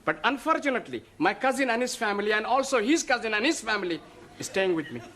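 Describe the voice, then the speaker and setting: An actor playing a courteous, eager language student with a South Asian accent and formal broken English in a sitcom. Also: male voice, sits high, expressive, fast, noisy background. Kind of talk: sitcom acting.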